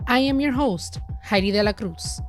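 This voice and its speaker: A woman's voice: a little high, expressive, normal speed, soft background music. A woman hosting a podcast, introducing and interviewing a guest in a conversational style. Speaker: podcast host.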